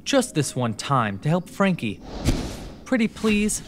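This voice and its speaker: A man's voice: fairly high pitch, sing-song, takes it slowly, background noise, pitched above the performer's own voice. A man voicing an eager, dim-witted male zombie in a rhyming children's puppet show. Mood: pleading, eager. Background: music.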